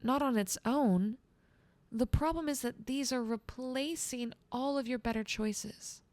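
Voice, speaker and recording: A woman playing a gentle, motherly guardian angel in a soothing, patient ASMR roleplay, speaking softly and coaxingly. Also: a little high, measured pace, dry recording, lightly acted. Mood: earnest, gently firm. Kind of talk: soft-spoken ASMR roleplay.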